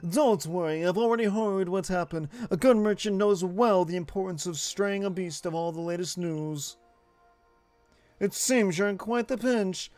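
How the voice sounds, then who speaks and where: A man voicing a friendly young male merchant with flattering salesman patter. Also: high voice, moderate pace, dry recording, soft background music, close to an everyday voice. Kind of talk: dubbing game dialogue aloud.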